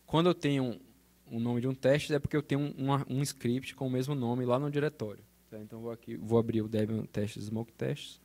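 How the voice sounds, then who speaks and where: A man's voice: medium pitch, steady tone, a little fast, darkish tone. Brazilian man giving a technical talk. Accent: Brazilian Portuguese. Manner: explanatory, frequent "tá?" check-ins and restarts. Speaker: conference speaker. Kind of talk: technical talk with live demo. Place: conference auditorium stage. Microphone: handheld then podium microphone.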